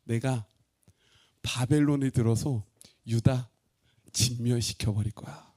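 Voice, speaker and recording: A man voicing God in a sermon, speaking in a low, hushed, matter-of-fact way. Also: steady tone, slow pace, no echo, clean studio sound. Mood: blunt. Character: God, speaking calmly and bluntly.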